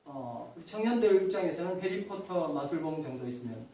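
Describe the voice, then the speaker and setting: A male pastor preaches a Sunday sermon in a church sanctuary, chatting with his congregation and quizzing them directly. His voice sits a touch high and carries a roomy echo. He stands somewhat back from the mic, over a faint hiss. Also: expressive, fairly quick, mellow, far from the mic. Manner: conversational preaching, asks the congregation questions directly.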